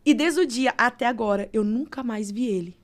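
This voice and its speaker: A woman pastor with a Brazilian accent, telling her testimony in a podcast interview with expressive, dramatic storytelling. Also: on the high side, fairly quick. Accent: Brazilian Portuguese. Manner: expressive, dramatic storytelling with vivid reenacted dialogue. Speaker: pastor, guest.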